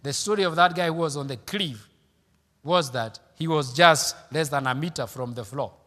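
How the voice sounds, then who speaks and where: A man's voice: a little high, normal speed, a bit bright, in a large hall. A man, preaching an emphatic sermon, repeating his points and calling out hallelujah. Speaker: pastor.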